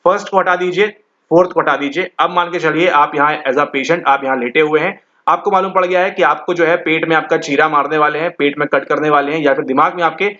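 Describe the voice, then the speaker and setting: Male teacher, explanatory exam-prep lecture, slightly high voice, dull lo-fi audio. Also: fairly even intonation, fairly quick, pushed and bright. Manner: explanatory, repeats "ठीक है?" to check understanding. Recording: dull lo-fi sound.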